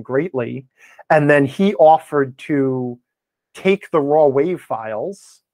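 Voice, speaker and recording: A man's voice: mid-range voice, darkish tone, dry recording. A man talking casually as a podcast guest, rambling along and quoting himself with self-deprecating humor. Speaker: podcast guest, game advice blogger. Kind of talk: casual conversational interview talk.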